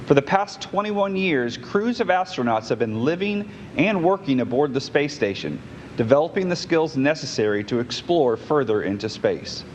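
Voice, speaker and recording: Lively male presenter in a reverberant hall. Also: moderate pace, dull audio. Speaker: event presenter. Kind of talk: prepared formal introduction. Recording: long hall reverb, faint rumble.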